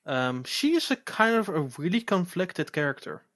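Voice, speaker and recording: A man's voice: sits high, normal speed. Man stumbling eagerly through game talk. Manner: animated, stumbling repetitions. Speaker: podcast co-host. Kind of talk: casual game chat.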